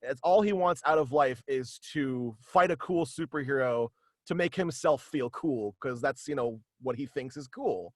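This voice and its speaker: A man's voice: medium pitch, moderate pace, a little mellow, no room sound. Man, interview guest, casual chat, enthusiastic, hesitant, home video call, dry close sound. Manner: hesitant, enthusiastic, chuckles often. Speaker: guest, writer of a superhero radio play.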